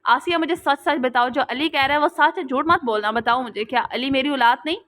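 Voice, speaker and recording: A woman's voice: sits high, brisk, fairly bright tone, a little hiss or hum. A woman voicing a stern, wronged older father who gives cold, harsh commands.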